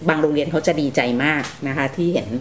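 Lady interviewer chatting w young guests, lowish voice, gently prompting, bit of noise behind her. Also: steady tone, quick pace. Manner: gently prompting, calls herself "big sister" to young guests. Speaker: radio programme host interviewing two young sisters. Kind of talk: conversational interview. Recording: faint background noise.

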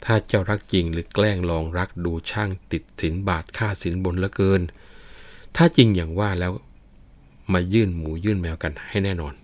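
A man's voice: deep voice, fairly quick, no room sound, natural voice. Man voicing a shrewd female go-between. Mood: bargaining. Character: shrewd woman go-between, bargaining for a bribe.

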